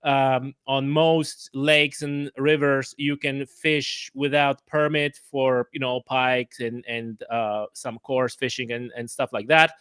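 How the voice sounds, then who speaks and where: A man from Poland with a Polish accent, explaining things haltingly as a guest in a casual interview. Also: mid-range voice, level tone, a bit bright, clean tone, no echo. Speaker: podcast guest.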